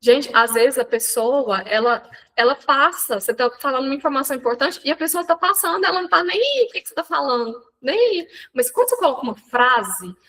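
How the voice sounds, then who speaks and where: Woman, Brazilian Portuguese accent, mentor, live online talk, chatty, animated, slightly high voice. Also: fairly quick, low-quality recording. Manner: chatty, animated, addresses audience directly.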